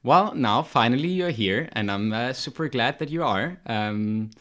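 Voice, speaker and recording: A man's voice: mid-range voice, expressive, a little slow, a bit bright. A young man hosting a podcast, talking casually with a lot of hesitation and filler words. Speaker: podcast host.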